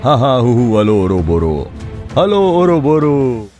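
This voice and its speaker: A man voicing a commanding tribal king in a cartoon story, loudly grunting nonsense syllables as orders. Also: medium pitch, sing-song, takes it slowly, faint music behind.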